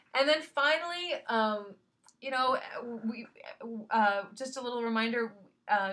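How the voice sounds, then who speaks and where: This woman's fairly high voice has a bright, sharp tone and lively intonation. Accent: US East Coast. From US East Coast. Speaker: blogging workshop leader. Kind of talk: online workshop talk. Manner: fast; hesitant, many fillers.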